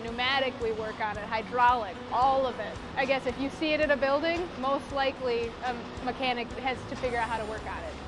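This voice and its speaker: A woman's high-pitched voice at a fairly quick pace with fairly even intonation, music in the background. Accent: American. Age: 20s. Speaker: industrial maintenance apprentice. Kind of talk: interview answer.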